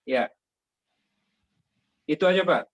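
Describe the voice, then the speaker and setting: A man giving brief, unhurried remarks at a church meeting, hesitating now and then. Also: on the high side, muffled recording.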